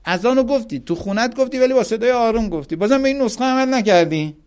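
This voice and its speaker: A man giving a religious lecture, emphatic and animated, reciting Arabic quotations and explaining them to his audience. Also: very high-pitched, clean tone. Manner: animated, emphatic, rises sharply on key points.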